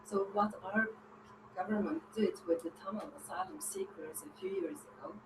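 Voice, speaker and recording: A woman on a panel talks with a lively, rising and falling pitch and pauses often to fill gaps with hesitations. Her voice is picked up from a distance in an echoey room. Steady noise runs underneath. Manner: hesitant, many ums and uhs. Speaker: panel speaker on refugee policy. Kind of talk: panel discussion. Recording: roomy, distant, noisy recording.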